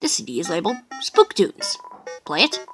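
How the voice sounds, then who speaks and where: A woman's voice: fairly low pitch, sing-song, normal speed, over music. A woman voicing a meek, lonely, hesitant monster from a video game. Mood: meek, wistful. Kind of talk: amateur video game character dub.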